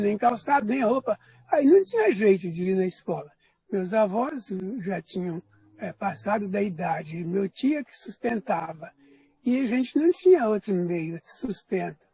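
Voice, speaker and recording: Older man from Brazil, husky voice, dry close sound, unhurried testimony with pauses and restarts. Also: high voice, a little mellow, no room sound. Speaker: interviewee giving a life testimony. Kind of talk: personal storytelling testimony.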